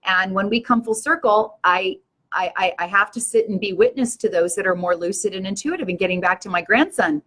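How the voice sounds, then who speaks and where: Older woman, show host, earnest and impassioned, preachy, mid-pitched voice. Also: a little fast, fairly bright tone. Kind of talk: live-stream talk to viewers.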